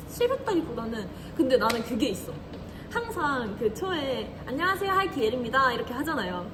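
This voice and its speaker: A woman's voice: fairly high pitch, noisy background. A young woman in her twenties with a slight Korean regional dialect, chatting casually and giggling often on a livestream. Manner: giggly, chatty, reads and answers comments. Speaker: idol livestream host.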